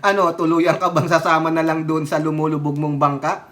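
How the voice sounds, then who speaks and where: Man, high voice, casual vlog commentary, mocking, taunting, laughs a lot, switches into English. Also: level tone, fairly quick, a bit bright. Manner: mocking, taunting, mixes English into his talk; laughs often between remarks. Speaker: political commentary vlogger.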